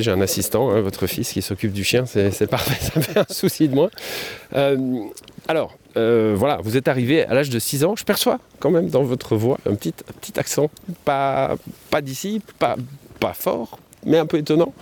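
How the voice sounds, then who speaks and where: A man hosting a radio interview while walking outdoors. He talks chattily, repeating words and adding quick asides. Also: medium pitch, lively intonation, darkish tone, a little hiss or hum.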